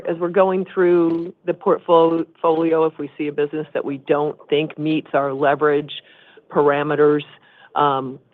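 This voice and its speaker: A woman chief executive answering questions on an earnings call in a measured, explanatory way. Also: sits low. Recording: muffled narrowband conference phone line.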